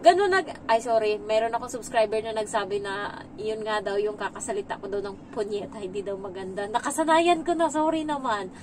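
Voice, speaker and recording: A woman's voice: medium pitch, steady tone, a little fast, darkish tone, a little hiss or hum, poor audio. A woman from the Philippines working as a domestic helper, chatting casually in a vlog, mixing in English and laughing between stories.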